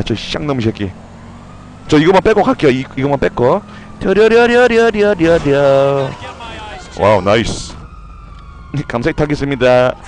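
A young man giving loud, excitable commentary while playing a video game, swearing and shouting at what happens on screen. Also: medium pitch, poor audio. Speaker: gameplay streamer.

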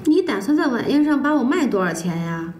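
A woman's voice: on the high side, big pitch swings, a little fast, over music. A sulky, defiant ten-year-old girl. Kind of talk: TV drama acting.

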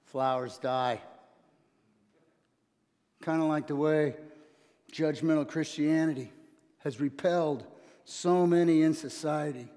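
A middle-aged pastor preaching in a big church hall, telling little stories and shifting between quiet, confiding asides and loud, urgent pushes. His voice sits slightly high for a man. The long reverb of the hall trails behind him. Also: slow pace, pauses often. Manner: storytelling preacher, animated, swings between soft asides and loud emphasis. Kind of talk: sermon. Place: church stage, large hall.

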